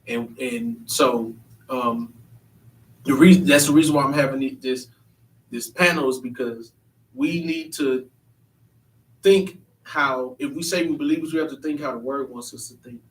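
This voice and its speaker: Hosting a church panel discussion, a man speaks earnestly and with emphasis in a mid-range, slightly bright voice at normal speed, frequently starting sentences over. It's recorded in an echoey room from a distant mic.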